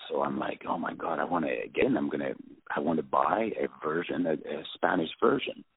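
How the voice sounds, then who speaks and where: A man with a French accent, a film director, telling anecdotes in an interview with many halting restarts and fillers. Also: very deep voice, vocal fry, husky. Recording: tinny phone-line audio.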